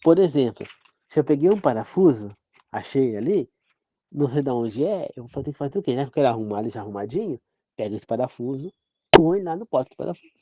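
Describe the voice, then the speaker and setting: A man's voice: mid-range voice, animated, quick pace, warm tone, a little hiss or hum. A man from Brazil giving an informal, rambling sermon-style talk as a preacher, often checking "entendeu?" with his listeners. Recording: dull, dry, lo-fi sound.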